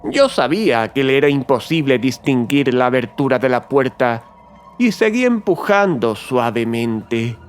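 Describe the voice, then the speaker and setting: An actor playing a mad, gloating murderer who confesses in a theatrical horror audiobook, swinging between hushed and agitated delivery. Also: male voice, medium pitch, animated, measured pace, soft background music, lightly acted. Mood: sly, hushed menace. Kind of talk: dramatic horror audiobook narration.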